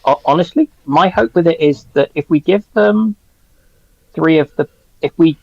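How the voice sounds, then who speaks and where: A man's voice: on the high side, moderate pace, darkish tone, dry recording. A man chatting casually as a panelist in a discussion, recorded with slightly dull, lo-fi sound.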